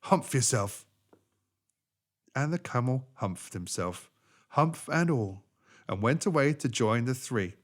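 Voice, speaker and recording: A man narrating a children's story from a script as a storyteller, with expressive, deliberate theatrical phrasing. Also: mid-range voice.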